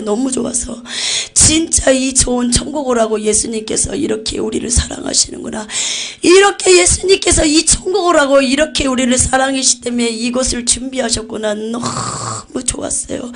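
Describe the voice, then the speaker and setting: A woman pastor with a Jeolla Korean accent delivers an emotional testimony to her congregation. Her voice sits on the higher side. She swings between hushed, whispered passages and fervent, shouted exclamations.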